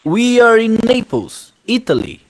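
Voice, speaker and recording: A man playing a friendly ship captain in a textbook audio dialogue, with a lively, upbeat delivery. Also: very high voice, takes it slowly, full character voice.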